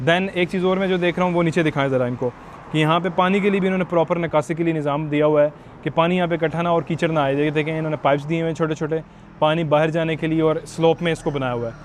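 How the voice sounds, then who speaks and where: A man's voice: a little high, steady tone, fast, a little hiss or hum. A man with a Pakistani Urdu accent hosting a walkthrough house tour outdoors. He chats directly to viewers and drops English phrases into his talk. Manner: chatty, code-switching into English, addresses viewers directly.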